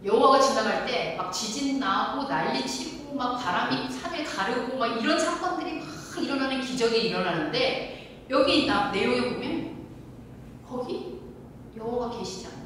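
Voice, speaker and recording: A woman's voice: a little high, lively intonation, normal speed, fairly bright tone. A woman pastor preaching a sermon, telling the story with animation and asking the congregation questions. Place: church sanctuary. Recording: echoey hall from far off, faint room noise.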